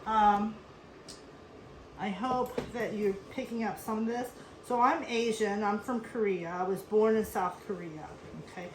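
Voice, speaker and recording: A Western Pennsylvania woman hosts a relaxed cooking demo, chatty and instructive and full of asides. Her mid-range voice moves at a measured pace with fairly even intonation. The room is echoey, with clearly audible background noise.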